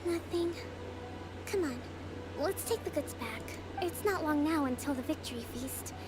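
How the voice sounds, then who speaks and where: A woman playing a composed young female leader in a video game, speaking in a measured, formal, thoughtful way. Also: high voice, expressive, loud music behind the voice. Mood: calm, weary.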